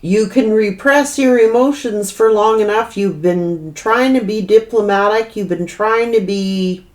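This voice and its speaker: A woman's voice: medium pitch, unhurried, a little mellow. A woman giving a tarot reading, blunt and scolding in tone, with mild swearing and emphatic repetition. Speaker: tarot reader.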